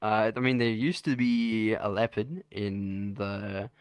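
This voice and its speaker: A man's voice: on the low side, level tone, takes it slowly, smooth, no room sound. A man with a South African accent talking casually and slangily as a guest in a video-call interview, rambling with restarts. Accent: South African English.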